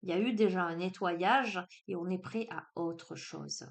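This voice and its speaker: Speaking with a southern French accent, a woman delivers a spiritual oracle card reading; she hesitates and uses many fillers at first, then grows emphatic. She talks unhurriedly in a fairly low voice with vocal fry.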